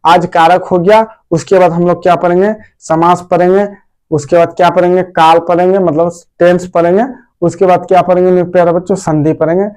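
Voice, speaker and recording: A man's voice: sits high, flat delivery, brisk, darkish tone, smooth. A man teaching a casual grammar lesson, talking to his pupils in a fatherly, repetitive way and asking and answering his own questions. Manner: fatherly, repetitive, addresses students as dear children.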